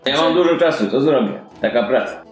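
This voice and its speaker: A man's voice: medium pitch, lively intonation, fairly quick, pitched above the performer's own voice, lightly acted. A man voicing a simple, opinionated sea captain in a tabletop game, grumbling in a blunt, plain-spoken way. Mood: musing, grumbling. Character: gruff, simple, opinionated sailor captain with tattoos. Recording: roomy, music underneath.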